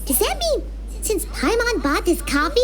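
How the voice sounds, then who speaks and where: Chirpy tiny game sidekick girl, very high, bouncy, slow, music behind. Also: sing-song. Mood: amazed, teasing. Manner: chirpy, refers to herself by name. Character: tiny excitable female flying companion. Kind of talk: game dub acting.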